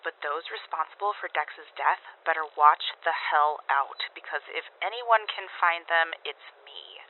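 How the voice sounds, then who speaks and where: A man acts out a bitter wasteland wanderer carrying grief and a wish for revenge. The voice sits a little high for a man, terse and emotionally raw. It sounds thin, like a message over a small radio speaker in an audio drama. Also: measured pace, few pauses, close to an everyday voice. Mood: angry vow. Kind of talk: full-cast audio drama, recorded message. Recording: tinny phone-like radio message.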